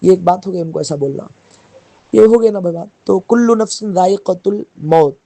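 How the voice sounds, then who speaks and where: A male Muslim cleric with a very dark, gravelly voice. He explains religious teaching in a didactic, emphatic way. He sits a little high in pitch and often repeats points and quotations. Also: moderate pace, dry recording.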